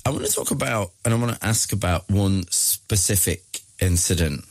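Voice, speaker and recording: A man interviewing a guest, asking calm, direct questions. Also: sits low, moderate pace, no room sound.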